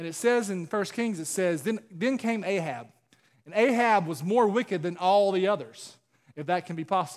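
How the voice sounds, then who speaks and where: Lively intonation marks a Southern US accent in a very clean recording with a silent background. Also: man, high pitch for a man. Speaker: campus pastor. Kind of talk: sermon. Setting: church. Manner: fast talker, passionate.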